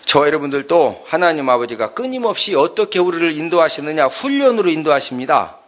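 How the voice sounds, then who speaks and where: A man's voice: on the high side, very animated, quick pace, a bit bright. A man preaching a sermon as pastor. He tells the story with sound effects and often checks in with the congregation.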